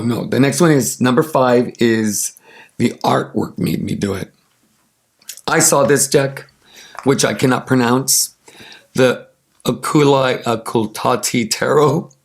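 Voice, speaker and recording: A raspy man with allergies, casually chatting and enthusiastically showing off tarot cards, with many ums and uhs. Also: medium pitch. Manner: gushing, enthusiastic, with many fillers. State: congested from allergies. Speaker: tarot deck reviewer.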